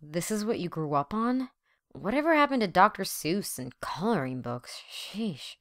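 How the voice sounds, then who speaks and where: Woman playing a low-pitched wry young narrator. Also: sing-song, normal speed, a bit bright. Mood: sarcastic. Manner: sardonic, dry, conversational. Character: wry, weary, sarcastic 24-year-old woman narrator. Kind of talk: first-person audio drama narration and dialogue.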